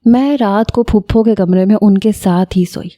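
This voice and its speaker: Woman reading a love story aloud, calm, really mellow dark tone. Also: mid-range voice. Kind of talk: first-person romance narration.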